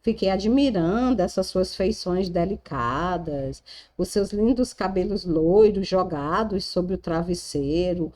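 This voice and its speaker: A woman's voice: on the low side, measured pace, darkish tone, pitched below the performer's own voice, close to an everyday voice. Woman reading as a sarcastic, teasing landowner man. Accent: Brazilian Portuguese. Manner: mocking, teasing, turning cold.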